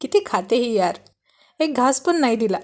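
A woman's voice: a little high, expressive, normal speed, a little mellow, natural voice. A woman reading a storybook voices a teasing, protective young husband in an affectionate manner.

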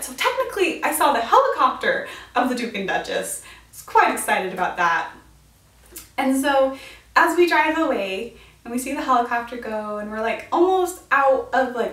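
A woman's voice: high-pitched, a bit bright. An American woman in her twenties telling a story casually and dramatically to camera, in a chatty way. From United States. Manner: chatty, dramatic retelling with quoted reactions. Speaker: vlogger. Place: indoors, small bright room with bookshelf. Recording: roomy echo, distant mic.

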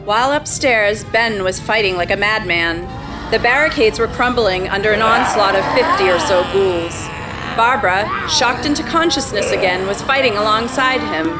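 A woman's voice: mid-range voice, lively intonation, moderate pace, poor audio. A woman reading scripted narration for a radio play on stage. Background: loud music.

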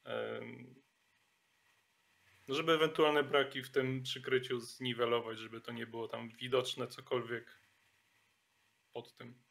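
A man's voice: medium pitch, flat delivery, slow pace, vocal fry, pauses often, a bit bright. A man playing a tabletop game, explaining his moves in a planning, matter-of-fact way. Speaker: player. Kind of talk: casual tabletop play.

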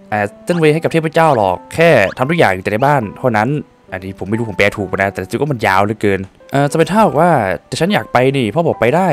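A man playing a video game, reading out and translating the dialogue in a casual, joking way. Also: mid-range voice. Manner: lively, laughs often, swears casually. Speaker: gaming streamer. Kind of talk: casual let's-play commentary, translating dialogue.

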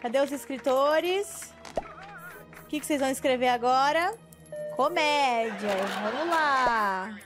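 A woman's voice: high-pitched, unhurried, pauses often. A young woman with a Brazilian accent giving casual live commentary as she streams a game. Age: young adult. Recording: game music behind the voice.

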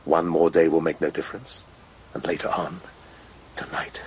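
An actor playing a pompous, amorous colonel in a radio drama, wooing ardently with breathy murmurs. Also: male voice, extremely low pitch, little pitch movement, normal speed, slight background noise. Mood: ardent, urgent. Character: smug, amorous colonel and nobleman, ardent would-be seducer. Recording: radio play with clear background ambience.

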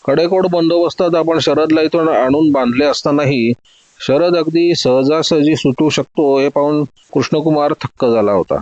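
A man narrating a detective story in a steady, dramatic reading. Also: fairly high pitch, moderate pace, no echo, lo-fi sound.

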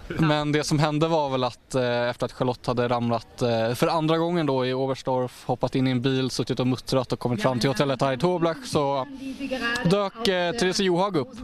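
A man reporting on sport, chatting in a relaxed, hesitant way with many fillers while outdoors at a snowy ski stadium. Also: medium pitch. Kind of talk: casual sports chat. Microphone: handheld mic.

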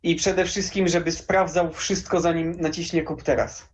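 Level in tone and moderately paced, this young man's slightly high voice comes through a headset on a video call, with dull lo-fi audio. A game collector and interview guest, he talks casually and eagerly from a small room lined with game shelves.

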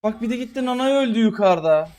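A man commentating his own mobile game match, griping about his teammates with sudden excited outbursts. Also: very high voice, quick pace. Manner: exasperated, complaining about teammates. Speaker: gamer streamer. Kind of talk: live gameplay commentary.

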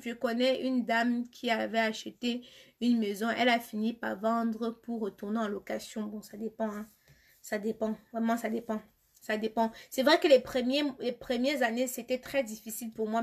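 A woman with a Cameroonian accent chatting casually on a live stream, reading viewer comments aloud and answering them in a teasing, emphatic way. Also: a little high.

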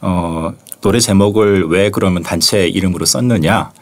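A man's voice: sits low, moderate pace. A man in his forties, a music historian guest in a small studio, explaining in fluent, orderly sentences without notes, close to a studio mic. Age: 40s. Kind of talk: studio interview. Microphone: studio mic on arm, close.

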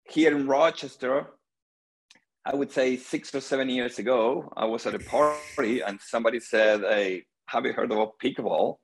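A man's voice: mid-range voice, vocal fry, husky, low-quality recording. Man telling stories on a video call. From Argentina. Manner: relaxed storytelling, many pauses and "um", gestures with hands. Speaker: guest, senior pro pickleball player. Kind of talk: casual video call interview. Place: small room indoors at home. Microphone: laptop webcam on video call.

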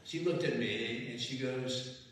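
A middle-aged man reminiscing to his congregation in a halting, folksy way with chuckles, speaking at a stand mic in a chapel. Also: mid-range voice. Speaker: longtime congregation member. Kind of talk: reminiscing testimony. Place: large chapel with hard walls. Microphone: stand mic, heard from a distant camera. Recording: echoey chapel, voice far from mic.

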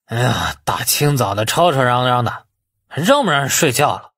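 Man acting a sneering young heir, wildly swooping pitch. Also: big pitch swings, normal speed, fairly bright tone, slightly rough, no echo, exaggerated voice. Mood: grumpy. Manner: sarcastic, drawling, taunting. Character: sneering, sullen, resentful young male heir.

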